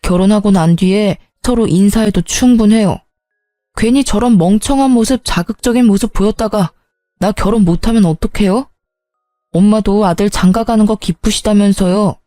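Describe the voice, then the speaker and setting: A woman's voice: mid-range voice, normal speed, dark tone, no room sound, faint music behind, lightly acted. A woman doing an exasperated grown son. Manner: exasperated, pleading. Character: grown eldest son, frustrated and pleading. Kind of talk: storybook narration.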